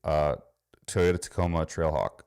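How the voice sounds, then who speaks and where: Deep-voiced Minnesotan man, blunt and sarcastic. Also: steady tone, normal speed, a little mellow, clean tone, no room sound, clean studio sound. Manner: blunt, sarcastic, swears freely. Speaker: fitness coach reacting to a video. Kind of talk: casual reaction commentary.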